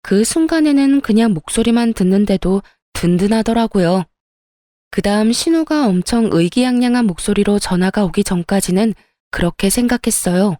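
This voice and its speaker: A woman's voice: mid-range voice, lively intonation, normal speed, dark tone, dry recording, clean studio sound. A woman narrating a real-life story in a confiding, indignant storytelling manner.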